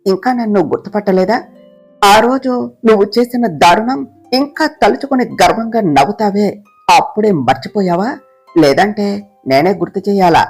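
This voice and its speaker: Vengeful young female ghost voiced by a woman, lowered voice, menacing, taunting, storybook telling. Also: moderate pace, slightly rough, faint music behind, close to an everyday voice.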